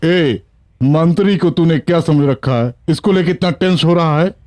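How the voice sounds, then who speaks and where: An actor dubbing an arrogant, corrupt political boss who gives orders scornfully. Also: male voice, a little high, moderate pace, heavy background noise, lightly acted. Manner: bossy, scornful, commanding. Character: arrogant corrupt male minister's man. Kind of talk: Hindi film dub. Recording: film soundtrack with clear music.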